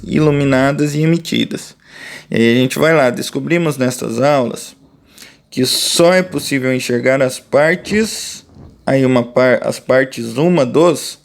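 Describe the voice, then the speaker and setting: A man's voice: medium pitch, gravelly, darkish tone. A young adult Brazilian man teaching a remote lesson, explaining a worksheet to pupils in a casual, direct way. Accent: Brazilian Portuguese.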